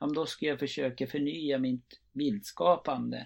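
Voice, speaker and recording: Speaking at a moderate pace, this man has a Turkish accent. His pitch is fairly high. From Turkey, Istanbul. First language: Turkish (speaking Swedish). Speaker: landscape photographer. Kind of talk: interview.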